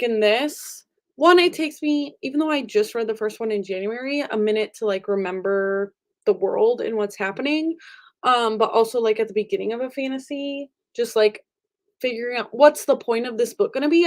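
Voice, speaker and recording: A young woman chatting casually on camera, her voice sitting a little high. She rambles, backtracks and fills gaps with "like" and "um", and sounds easygoing and unscripted. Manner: chatty, rambling, frequent fillers. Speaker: book vlogger. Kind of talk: casual chat. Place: home room with angled ceiling.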